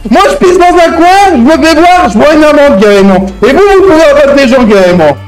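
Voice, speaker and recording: A man's voice: very high voice, expressive, fairly quick, over music, poor audio. A man playing an aggrieved, crude, threatening hostage-taker out for revenge in an improvised online game roleplay, swearing and repeating his verbal tics. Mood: indignant. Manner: verbal tic-laden, crude, ranting, swearing.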